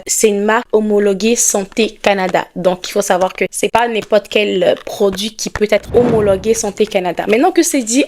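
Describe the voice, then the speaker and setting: A young adult woman, chatting straight to camera in a casual vlog and promoting her products. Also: mid-range voice. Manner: chatty, keeps asking "ok?".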